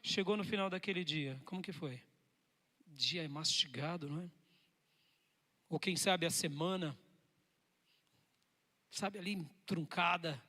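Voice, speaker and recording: A male pastor delivers a sermon in a high, bright voice. He swings between emphatic loud bursts and soft, intimate lines. The church hall gives his voice a long reverb. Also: a little slow, pauses often. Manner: emphatic preaching with sudden loud and soft turns.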